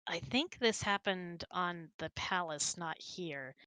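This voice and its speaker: A woman's voice: lowish voice, slow pace, sharp tone, clear, resonant tone, no echo. A woman host chatting casually and candidly in an informal, emphatic way. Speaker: host of a relationship Q&A hangout. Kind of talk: casual chat.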